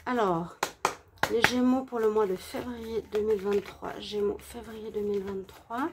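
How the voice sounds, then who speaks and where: A woman with a stuffy nose from a cold gives a relaxed tarot reading for her viewers, gentle and halting with many hesitations. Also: medium pitch, slight background noise. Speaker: tarot reader.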